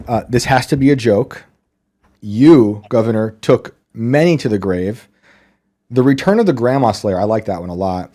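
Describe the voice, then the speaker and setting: A man's voice: medium pitch, normal speed, warm tone. A man hosting a podcast interview, wry and joking, laughing often. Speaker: podcast host. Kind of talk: casual interview chat.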